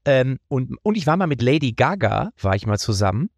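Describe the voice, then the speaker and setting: A man's voice: medium pitch, very animated, a little fast, creaky, dry recording. A man chatting as a podcast guest, telling playful anecdotes in a joking, self-mocking way. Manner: playful anecdote-teller, slips into mock accents. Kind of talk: casual chat.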